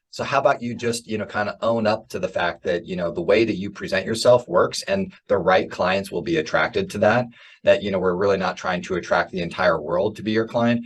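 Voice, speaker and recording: Barely pausing, a man talks at a fairly quick pace in a fairly low pitch with ordinary pitch variation. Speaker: real estate coach and video host. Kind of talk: interview.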